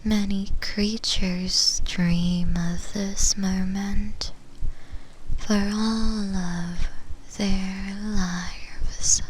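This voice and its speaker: A woman voicing a lonely, yearning shadow demon in a breathy, hesitant whisper, as an intimate ASMR roleplay. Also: medium pitch, slight background noise, low-quality recording. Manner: hesitant, drawn-out, pausing between phrases.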